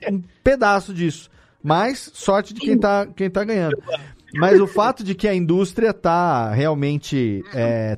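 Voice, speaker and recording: Casting: male Brazilian podcast host, slightly high voice, emphatic and colloquial, conversational interview delivery. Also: darkish tone.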